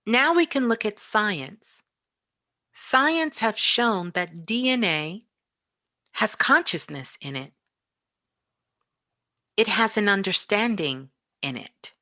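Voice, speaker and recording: Woman spiritual teacher, bright forceful voice, slow and emphatic, kinda preachy, really dry sound. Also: mid-range voice, lively intonation, dry recording. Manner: emphatic, preaching, repeats phrases for effect. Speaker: spiritual teacher and guest speaker. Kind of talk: spiritual motivational talk.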